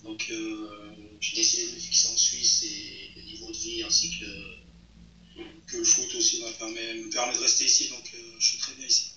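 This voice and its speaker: A man's voice: fairly low pitch, little pitch movement, normal speed, pushed and bright, a little hiss or hum. A man in his thirties from France, a footballer answering interview questions, hesitant and repeating words as he searches for them. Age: 30s. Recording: roomy, distant, dull lo-fi sound.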